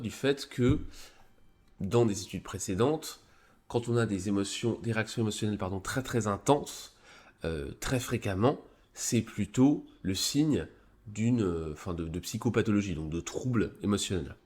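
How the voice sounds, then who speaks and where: A man who has a cold, hosting a live stream, explaining a psychology article in a casual, halting way with many fillers and restarts. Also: fairly low pitch, animated, darkish tone. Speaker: streamer presenting a psychology review.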